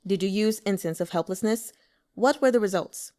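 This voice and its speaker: A woman's voice: medium pitch, normal speed, a little mellow, lightly acted. Woman doing a wry, suspicious male lord. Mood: curt. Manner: dry, probing and skeptical.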